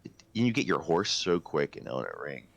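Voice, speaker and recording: A man's voice: extremely low pitch, very animated, normal speed, creaky, fairly bright tone. A man co-hosting a casual podcast, talking about video games in an emphatic, enthusiastic way. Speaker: podcast co-host. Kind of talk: casual video game discussion.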